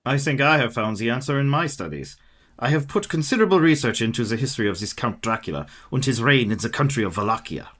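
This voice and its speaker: An actor playing a learned vampire-hunting professor in a radio play, formal and lecturing. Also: male voice, mid-range voice, animated, fast, fairly bright tone, breathy edge. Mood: greeting. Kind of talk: community radio play acting.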